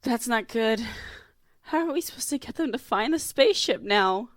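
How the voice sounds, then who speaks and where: A woman's voice: fairly high pitch, animated, normal speed, dry recording, close to an everyday voice. A woman playing a dry, reluctant young adventurer in an audio drama. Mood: dry, uneasy.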